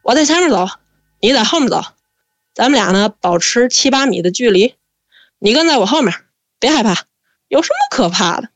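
A woman's voice: on the high side, lively intonation, fairly quick, pauses often, dry recording. A woman voicing a stubborn male hunter who brushes off fear and insists in her own storytelling voice. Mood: insistent. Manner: insistent, dismissive.

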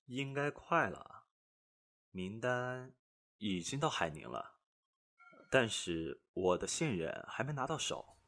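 A man playing a wary, greedy black-market broker in a radio drama, husky and hesitant. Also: medium pitch, big pitch swings, fairly bright tone, heavily acted. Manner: hesitant, drawn-out, cagey. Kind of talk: Chinese radio drama acting.

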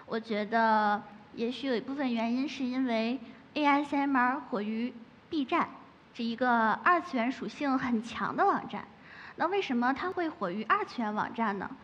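A woman who makes ASMR, giving a lively public talk from a stage with playful asides. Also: sits high, moderate pace. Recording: echoey hall, muffled, faint noise.

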